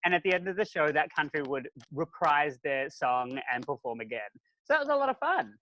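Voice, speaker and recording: A man's voice: a little high, big pitch swings, fairly quick, bright, forceful tone, lo-fi sound. A man co-hosting a podcast in casual chat, upbeat and enthusiastic. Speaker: podcast co-host.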